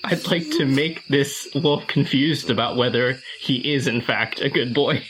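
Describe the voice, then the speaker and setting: A man playing a tabletop game, casually describing his character's moves in a halting, playful way. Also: mid-range voice, a bit bright, slight background noise, rough recording.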